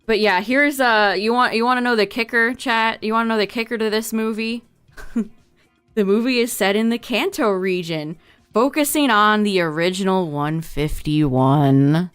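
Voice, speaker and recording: Young woman streamer, chatty and casual, voice fraying from overuse, smooth clear tone underneath. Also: mid-range voice, normal speed, fairly bright tone, faint music behind. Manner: chatty, reading out notes with asides. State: losing her voice. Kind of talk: casual livestream chat to viewers.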